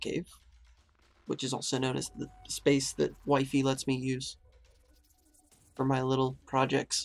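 Soft-spoken, a man talks at a fairly slow pace with long, frequent pauses over faint music in the background. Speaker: gaming youtuber; gaming video creator. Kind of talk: gameplay commentary; casual gameplay commentary. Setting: home recording room at night. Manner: casual. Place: home room. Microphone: studio mic.

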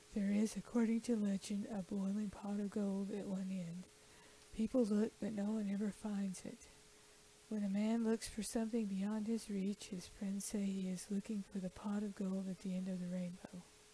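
The voice moves at a moderate pace with flat, monotone intonation. Noticeable noise sits in the background. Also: woman, medium pitch for a woman. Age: 60s. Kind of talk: standard reading passage.

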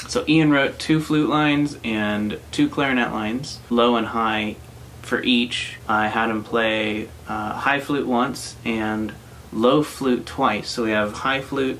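Very slow delivery with fairly even intonation over light background noise. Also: man. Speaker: recording engineer vlogger. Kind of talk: tutorial. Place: studio.

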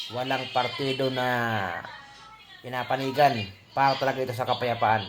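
With music in the background, a man in a Filipino accent speaks at a medium pitch with monotone, flat intonation. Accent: Filipino English and Tagalog. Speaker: vlogger and church member reporting on the rally.

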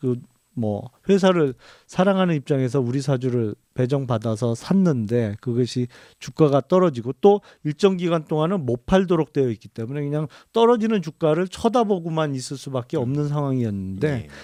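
A man's fairly high voice with a dark, mellow tone, lively intonation and a moderate pace, dry and close with no echo, over a quiet background. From South Korea, Suwon. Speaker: member of parliament, former prosecutor. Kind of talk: radio interview.

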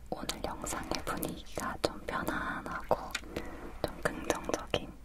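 A woman whispering. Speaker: ASMR creator. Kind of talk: soft-spoken comforting talk to viewer. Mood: warm, consoling. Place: home room.

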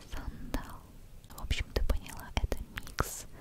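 A woman is whispering. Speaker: beauty vlogger reviewing perfumes. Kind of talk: casual vlog chat, product review. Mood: warm, playful. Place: home room. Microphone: studio mic.

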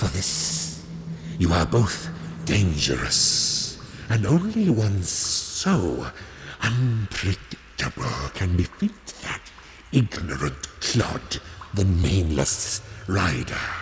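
Against clear background noise, a man with a very deep, low voice speaks very slowly with lively intonation. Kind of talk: audio drama acting. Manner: grandiose, megalomaniac.

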